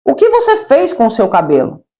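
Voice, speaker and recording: Brief: woman playing a disappointed young man, Brazilian accent, blunt, high-pitched. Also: wildly swooping pitch, a little fast, dark tone. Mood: displeased. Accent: Brazilian Portuguese. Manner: blunt, displeased.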